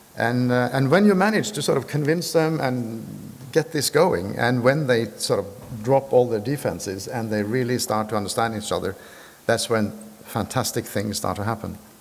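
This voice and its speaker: With a Norwegian accent, a man talks at a moderate pace using lively intonation. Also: medium pitch for a man. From Norway. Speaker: design council director and economist. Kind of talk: conference talk. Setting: conference hall with audience. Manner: hesitant, many fillers.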